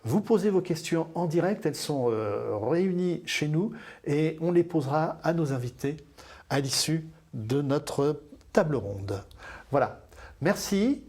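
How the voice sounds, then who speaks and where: A man's voice: fairly high pitch, lively intonation, measured pace, a little mellow, breathy edge. A man moderating a live panel discussion, introducing the guests in a friendly, chatty way with frequent hesitations.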